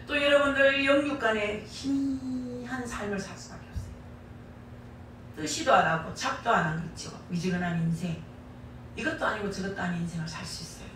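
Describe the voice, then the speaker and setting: A woman's voice: a little high, bright, forceful tone, a little hiss or hum. A middle-aged woman with a Gyeongsang Korean accent preaching a sermon, emphatic and folksy, repeating key phrases for weight. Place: church sanctuary. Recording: echoey church hall, distant mic.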